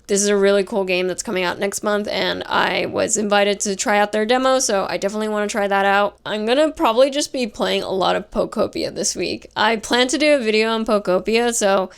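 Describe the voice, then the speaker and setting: A young woman vlogging casually to camera, soft-spoken and chatty, her voice worn and fading from talking all day. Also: mid-range voice, fairly quick, vocal fry, few pauses, smooth. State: tired, fading voice. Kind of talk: casual vlog talk.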